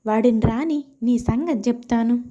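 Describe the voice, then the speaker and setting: A woman voicing a bitter, domineering older mother-in-law with a sharp-tongued, taunting manner in a moral story. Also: fairly high pitch, moderate pace, lo-fi sound, natural voice. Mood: scolding.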